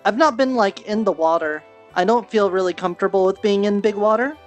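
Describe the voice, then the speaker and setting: A woman improvising in-character roleplay chat, explaining things in a halting, deliberate way. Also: mid-range voice, muffled recording, faint music behind. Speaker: roleplayer in a virtual-reality game.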